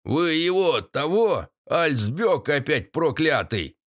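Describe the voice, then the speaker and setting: A man's voice: a little high, sing-song, slow, a bit bright, pitched above the performer's own voice, full character voice. A man voicing a folksy old villager with rustic, homespun speech in an audiobook.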